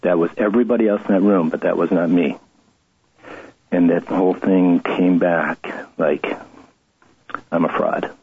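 Low, husky man telling a confession. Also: steady tone. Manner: earnest, halting confessional storytelling. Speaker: guest. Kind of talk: personal testimony interview. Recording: tinny phone-line radio audio.

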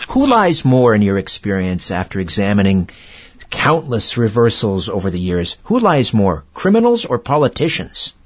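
Man, radio host, husky, asks measured questions, muffled audio. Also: on the low side. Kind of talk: radio interview.

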